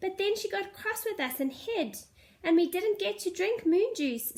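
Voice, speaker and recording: Putting on a squeaky character voice, a woman pitches it extremely high. Her intonation is lively and her pace moderate. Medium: read story.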